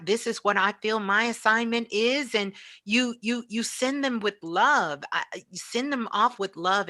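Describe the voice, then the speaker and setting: A woman with a bright, forward voice, recorded close and dry. She talks casually and motivationally as a show host, circling back on phrases to drive them home. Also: medium pitch, dry recording. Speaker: spiritual radio show host. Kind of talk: casual motivational spiritual talk.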